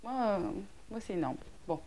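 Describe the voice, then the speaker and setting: Lively laughing female interviewer. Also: medium pitch, normal speed, heavy background noise. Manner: laughing, enthusiastic, animated. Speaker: interview host. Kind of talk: playful interview hosting.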